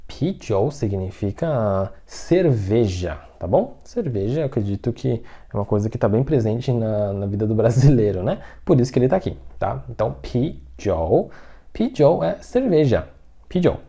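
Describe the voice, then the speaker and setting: A man's voice: mid-range voice, very animated, normal speed, warm tone, husky. A man teaching an online language lesson, patiently repeating each word and often checking that the listener is following.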